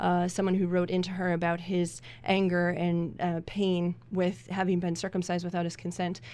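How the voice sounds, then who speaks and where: An ordinary speaking voice from a woman, medium-pitched and moderately paced. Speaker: activist. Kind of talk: radio interview.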